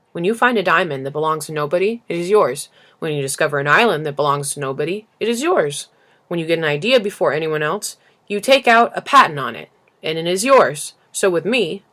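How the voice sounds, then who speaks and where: A woman voicing a peevish, self-important businessman in a storybook, brisk and insistent in manner. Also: on the low side, lively intonation, fairly bright tone. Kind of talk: storybook character reading.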